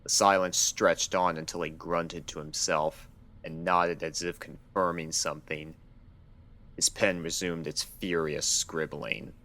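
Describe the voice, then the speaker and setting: A man's voice: low-pitched, level tone, a little slow, bright, forceful tone. A man reading fan fiction aloud as a scripted story narrator.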